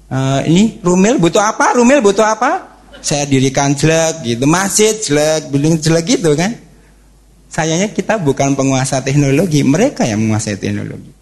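A man gives a religious talk to teens and their parents. His voice sits a little high and swings widely as he asks the room questions. He talks in a lively, way. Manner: animated, acts out quotes and cheers, asks the audience questions. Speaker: youth counselor giving a talk.

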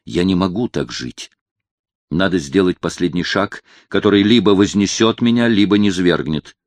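A man's voice: deep voice, moderate pace, no room sound, close to an everyday voice. A man voicing a proud, tormented young nobleman plotting in secret, in an intense, declamatory audiobook reading. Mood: brooding.

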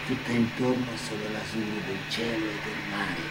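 A man narrating a dramatic theatrical monologue as a stage actor, solemn and emphatic, with long pauses. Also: steady tone. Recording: loud hum and rumbling background noise.

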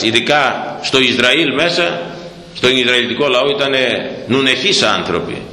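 A man preaching a sermon on scripture, with an emphatic, repetitive cadence and a somewhat hoarse throat. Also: mid-range voice, bright, forceful tone. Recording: echoey hall, long reverb.

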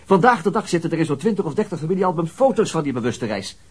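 A man's voice: on the high side, big pitch swings, fast talker, darkish tone, slightly rough. A man playing a methodical middle-aged police detective and father in a naturalistic radio drama, dryly reasoning things through. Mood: urgent, excited.

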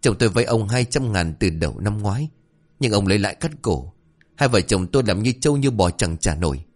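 A man voicing a desperate, furious young widow who cries out high and shrill. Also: animated, brisk, darkish tone. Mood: accusing.

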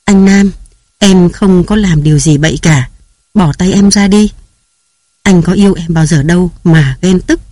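A man's voice: high voice, a little slow, darkish tone, dry recording. A man reading aloud who voices a frightened young wife, tearful and pleading. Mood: pained.

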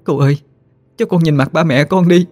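A man's voice: fairly high pitch, moderate pace, darkish tone, soft background music, close to an everyday voice. A man voicing a grieving young woman ghost who pleads tearfully. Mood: pleading.

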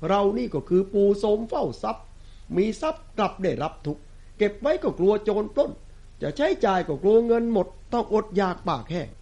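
A man voicing a stingy, miserly old brahmin father in a told story, gruff when scolding and rueful when musing. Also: high voice, sing-song, a little fast, a little mellow, full character voice. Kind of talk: storytelling within a sermon.

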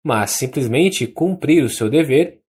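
Brazilian Portuguese narrator for literary audiobook; mellow, warm timbre, mid pitch, measured delivery. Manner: measured, even reading with small restarts.

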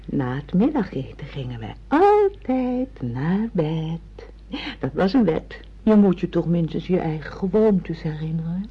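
A woman's voice: lowish voice, very animated, slightly rough, lo-fi sound, heavily acted. An actress playing a sensual wife who intimately coaxes her husband in a radio play. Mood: coaxing. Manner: slow, intimate, cajoling. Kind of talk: radio play acting in Dutch.

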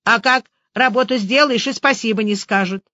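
A woman's voice: a little high, moderate pace, pushed and bright, dry recording, highs cut off. A woman reading an audiobook, voicing a grumpy, self-important old watchwoman who grumbles and complains. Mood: grumbling.

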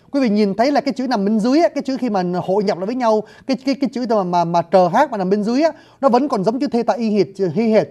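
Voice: mid-range voice, warm tone. A lecturer, explaining at length and often addressing listeners directly. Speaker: lecturer on scripts and languages. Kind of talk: spoken lecture.

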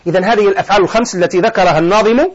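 A sheikh teaches Arabic morphology in a classroom, explaining a grammar poem on verb forms. He quizzes his students and then answers his own questions. His voice is high and racing, and the recording has a lo-fi sound.

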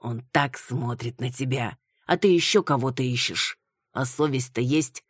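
A woman's voice: extremely low pitch, normal speed, slightly rough, dry recording, studio quality. A woman reading an audiobook, voicing a nosy elderly woman who lectures and gives advice. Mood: scolding. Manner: lecturing, prying.

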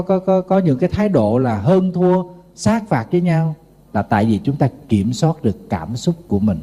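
A middle-aged man with a Southern Vietnamese accent, preaching as a Buddhist monk, telling humorous anecdotes in a sermon. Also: a little high. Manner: lively anecdotal storytelling with humor.

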